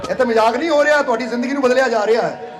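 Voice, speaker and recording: A man's voice: very high-pitched, rapid-fire. A man from Punjab, India, gives a sermon to his congregation as its spiritual leader. He is playful and coaxing, and he repeats phrases and keeps asking the crowd whether they understand. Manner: coaxing and playful, laughs between lines.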